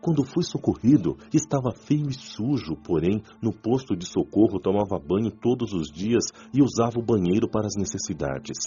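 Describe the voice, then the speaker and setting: A man playing a deep-voiced repentant spirit. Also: animated, normal speed, hardly any pauses, warm tone, lo-fi sound, faint music behind, natural voice. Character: former smoker spirit man recalling his suffering. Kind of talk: radio drama acting.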